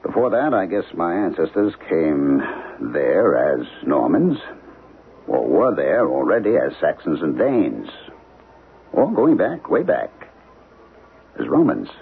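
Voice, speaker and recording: Male, intense professor haunted by memory, halting and deep, very animated; vintage radio drama, muffled sound. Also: creaky, exaggerated voice. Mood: brooding, searching. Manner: halting, repeats words, intense. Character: earnest male professor gripped by resurfacing alien racial memories. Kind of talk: 1970s radio drama acting. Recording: muffled, noisy old radio broadcast.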